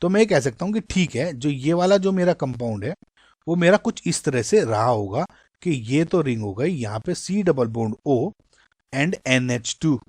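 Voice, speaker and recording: A man's voice: medium pitch, expressive, normal speed, a little mellow, breathy edge, no room sound. Indian man teaching chemistry, close and dry. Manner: conversational, mixes English terms, addresses "guys". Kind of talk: explaining exam questions.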